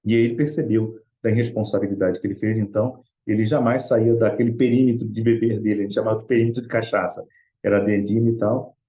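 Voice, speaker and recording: A man's voice: fairly low pitch, steady tone, fast, warm tone. A middle-aged Brazilian man speaking in an earnest, conversational way, telling a personal story in a Spiritist study talk. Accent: Brazilian Portuguese.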